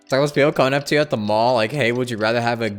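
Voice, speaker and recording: A man streaming a game with an average-pitched voice. He comments in an offhand, rambling way, as in casual chat. Soft game music plays faintly behind him. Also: very fast.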